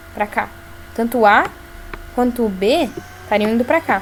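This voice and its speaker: A woman's fairly high, animated voice over noticeable background noise. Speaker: physics teacher. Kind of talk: online lesson.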